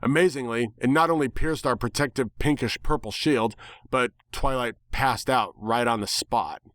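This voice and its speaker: Male narrator for dramatic fiction reading, medium pitch, dry recording. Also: normal speed, fairly bright tone, no room sound. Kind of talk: dramatic scripted story narration.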